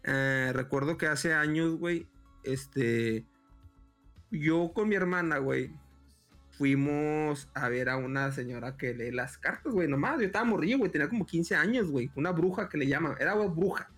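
A man, a father, telling an anecdote in relaxed, slangy casual chat. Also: a little high, moderate pace, soft background music. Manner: relaxed, slangy, fills with "güey". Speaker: podcast co-host. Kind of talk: casual storytelling.

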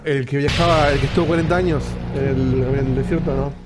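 An Argentine man co-hosts a podcast in an easygoing way, often thinking aloud. His voice sits at a middling pitch. Loud music plays behind him. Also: fairly even intonation, quick pace. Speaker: podcast host. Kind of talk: casual podcast chat.

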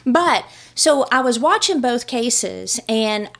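A woman's voice: fairly high pitch, lively intonation, slow, gravelly, a bit bright. A woman hosting a podcast, chatting in a rambling, casual way about a true crime case. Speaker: podcast host.

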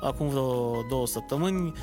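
A man in his forties, a podcast co-host from Romania, telling stories in a chatty, animated way. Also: mid-range voice, over music. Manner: animated storyteller, chatty and laughing. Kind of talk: casual podcast chat.

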